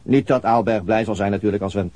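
An actor playing a weary, matter-of-fact police detective in a naturalistic radio drama, laconic and dryly explanatory. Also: male voice, lowish voice, fairly even intonation, quick pace, darkish tone, no echo, lightly acted.

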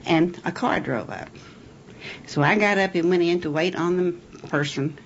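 A woman's voice: fairly low pitch, unhurried. A woman witness recounting something in spontaneous, plain conversation. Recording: dull field recording with noise.

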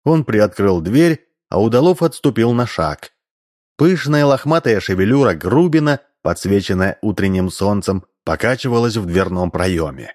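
A man's voice: fairly low pitch, animated, moderate pace, a little mellow. A man narrating a comic story as an audiobook in scripted narration.

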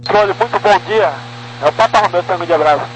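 A man's voice: sits high, fast. A man with a Brazilian accent speaking as a pilot over an aircraft helmet radio, informal and courteous. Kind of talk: air traffic radio communication. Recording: noisy aircraft radio transmission with hum.

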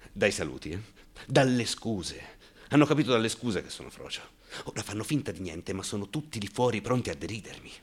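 An actor playing an anxious, bitter gay man recalling his frightened youth in a halting, confiding theatrical radio monologue. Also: lowish voice, bright, forceful tone, exaggerated voice. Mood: indignant, hurt. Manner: confiding, halting and repetitive, breaking into bitter outbursts.

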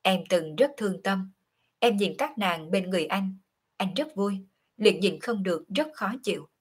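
A woman voicing a calm young woman who confides in her lover, in an audiobook reading. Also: medium pitch, moderate pace, slightly rough. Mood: confiding.

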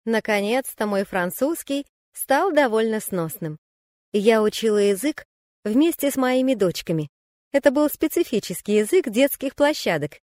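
A woman reading a first-person memoir aloud as an audiobook narrator, in a calm, even and reflective way. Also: mid-range voice, no echo, studio quality.

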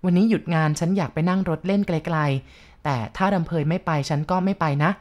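A woman doing a calm, subdued middle-aged man. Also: fairly low pitch, brisk, close to an everyday voice. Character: gentle, lonely man in his forties. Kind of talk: audiobook reading of a novel.

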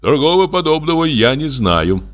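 A man's voice: big pitch swings, normal speed, a bit bright. A man reading a classic story aloud in a theatrical way, pushing his voice up and down for emphasis. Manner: theatrical, swinging pitch for emphasis. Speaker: audiobook reader. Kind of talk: expressive literary reading.

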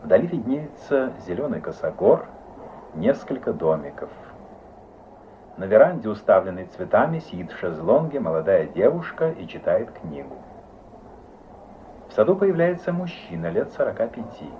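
A man's voice: fairly low pitch, very animated, normal speed. A man reading scripted stage directions as the narrator of a 1950s radio play. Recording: muffled old 1950s radio recording, faint hiss.

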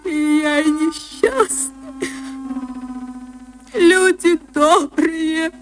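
A woman voicing a gentle, sentimental young widow with a tearful, wailing lament, in an archival radio recording. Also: very high-pitched, steady tone, extremely slow, faint music behind, pitched above the performer's own voice, heavily acted, rough recording. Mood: grieving.

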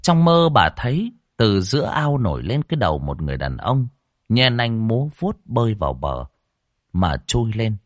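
A man narrating a ghost story in a dramatic, expressive way. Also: fairly low pitch, moderate pace, no room sound, studio quality.

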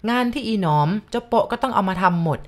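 A woman reading out a fussy, talkative old village grandmother who exclaims loudly when startled. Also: fairly high pitch, fast talker, pitched above the performer's own voice, lightly acted. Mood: chatty.

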